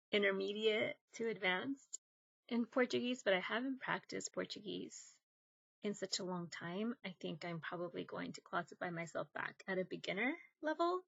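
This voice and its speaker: A young woman from northern Mexico, a native Spanish speaker, talks about books to her camera in an easy, reflective way, pausing and saying um often. Her mid-pitched voice has a gravelly fry to it. The sound is dry and a bit dull, like a lo-fi home recording. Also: a bit bright, no room sound. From Monterrey, northern Mexico. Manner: thoughtful, unhurried, with many ums and pauses. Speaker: booktuber. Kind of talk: casual talk to camera.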